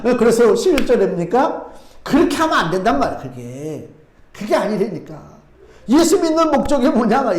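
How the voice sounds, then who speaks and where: A man's voice: sits high, darkish tone. A middle-aged male pastor preaching a sermon in a conversational way, asking the congregation rhetorical questions and slipping in homely asides. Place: church sanctuary. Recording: echoey church room.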